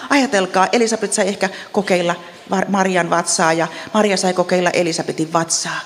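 A woman with an Ostrobothnian accent, telling Bible stories in a devotional talk with chatty asides and gentle humor. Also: on the low side, fairly even intonation, in a large hall. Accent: Ostrobothnian Finnish. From Ostrobothnia, Finland. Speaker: Bible teacher.

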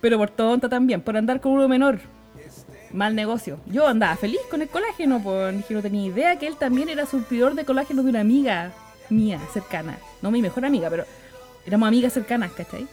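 Over soft background music, a young podcast host with a Chilean accent chats casually and slangily, laughing often. Her voice sits fairly high and is a little mellow, expressive and quick.

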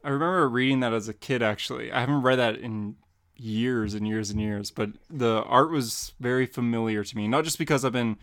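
Relaxed male podcast co-host. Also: mid-range voice, a little fast, no room sound, studio quality. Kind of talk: casual podcast chat.

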